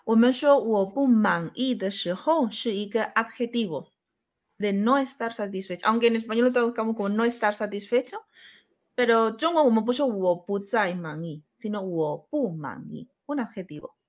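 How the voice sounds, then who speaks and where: A woman's voice: on the high side, moderate pace. A woman whose first language is Chinese, explaining grammar and characters patiently in a casual lesson. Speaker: Chinese teacher.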